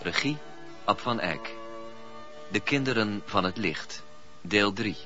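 A man's voice: lowish voice, expressive, slow. A man reading out credits as a scripted radio announcement. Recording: dull lo-fi radio recording. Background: music.

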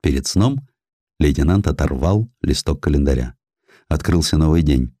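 A man narrating a historical audiobook with dramatic, deliberate, theatrical phrasing. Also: a bass voice, expressive, warm tone, slightly rough, no room sound, clean studio sound.

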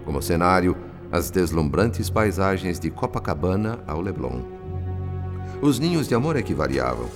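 A Brazilian actor playing a calm, compassionate male spirit who narrates a radio drama in a solemn, deliberate, literary manner. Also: deep voice, music in the background. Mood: solemn, reflective.

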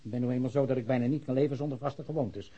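An actor playing a formal, evasive ex-convict villager being questioned by police in a radio drama. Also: male voice, medium pitch, fairly even intonation, rapid-fire, warm tone, husky, lightly acted. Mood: defensive, evasive. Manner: stiff, precise, evasive. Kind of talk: naturalistic Dutch radio drama acting. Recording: muffled, dull radio drama recording.

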